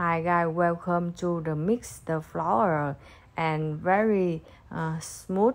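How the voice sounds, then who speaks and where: Spoken at a very slow pace in a southern Vietnamese accent. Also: woman. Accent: southern Vietnamese (Saigon). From Saigon, southern Vietnam (District 8). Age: 30s. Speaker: YouTuber, home cook; home cook vlogger. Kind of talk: cooking tutorial vlog. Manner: halting, many fillers, mixes broken English.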